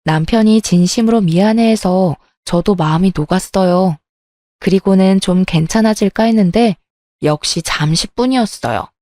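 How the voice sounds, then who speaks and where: A woman's voice: mid-range voice, mellow, no echo, clean studio sound. A woman reading a first-person family story in a confiding, emotional way.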